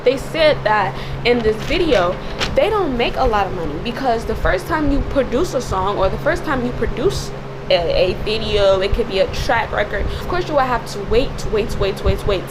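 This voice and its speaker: A woman with a slightly raspy, cracking voice giving informal, preachy commentary in an emphatic, repetitive way as a video creator. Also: on the high side, lively intonation, normal speed, background noise. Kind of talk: informal spoken commentary with religious exhortation.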